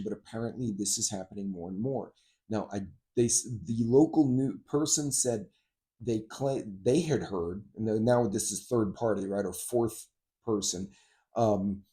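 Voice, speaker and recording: A man's voice: on the low side, dark tone. A middle-aged man hosting a casual vlog, talking in a rambling, conversational way with frequent asides and practical advice. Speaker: host of a preparedness and travel channel.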